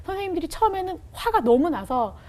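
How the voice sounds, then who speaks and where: A woman's voice: extremely high pitch, big pitch swings, quick pace, crowd noise. A woman in her forties, a children's home director, telling her story as a guest on a Christian talk show and acting out the children's words. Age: 40s.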